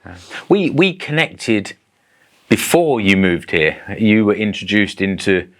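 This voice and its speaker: A man's voice: lowish voice, sing-song, measured pace, fairly bright tone. A man hosting a podcast interview, introducing his guest and asking questions in a friendly, conversational way. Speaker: podcast host.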